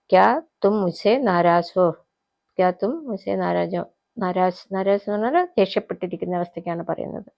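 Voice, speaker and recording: A woman teaching a spoken Hindi lesson, repeating each phrase slowly and then explaining it. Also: mid-range voice, vocal fry, a little mellow, no echo.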